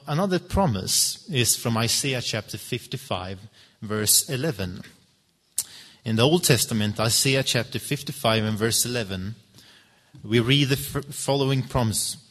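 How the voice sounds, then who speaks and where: A man whose first language is Swedish preaches in English to a congregation, his mid-range voice earnest and halting, full of small fillers and restarts. The sound carries a long hall reverb around him. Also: medium pitch, lively intonation, fairly bright tone. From Sweden. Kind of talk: sermon.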